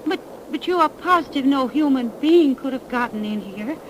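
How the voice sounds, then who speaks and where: A woman's voice: sits high, expressive, normal speed, muffled recording. An actress playing an anxious young woman who questions earnestly, in 1930s radio drama style. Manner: earnest, questioning, stammers when worried. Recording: noisy 1930s radio recording.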